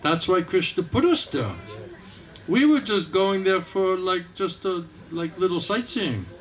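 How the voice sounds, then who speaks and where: Monk speaking gently in a temple hall. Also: male voice, high voice, expressive, measured pace. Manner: gentle, conversational, repeats back. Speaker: monk answering questions. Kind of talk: informal spiritual talk.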